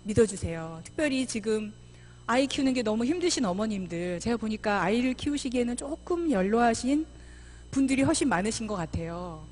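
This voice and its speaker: Lively middle-aged woman preaching in church. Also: fairly high pitch, fairly quick. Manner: lively, acts out mothers and children in quoted voices. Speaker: missionary speaker. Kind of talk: church seminar talk. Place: church sanctuary.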